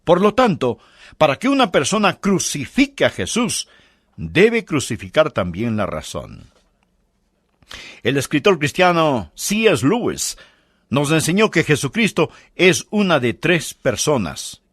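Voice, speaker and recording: A man's voice: on the high side, very animated, measured pace, fairly bright tone, breathy edge, dry recording, clean studio sound. A man preaching a sermon, pressing the listeners with emphatic rhetorical questions.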